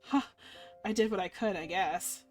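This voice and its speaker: A woman's voice: mid-range voice, normal speed, lightly acted. Tired wary main character woman reading, self-deprecating n hesitant, visual novel, music behind. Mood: wry, wary. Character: wary, weary, self-deprecating human trapped in limbo. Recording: music playing underneath.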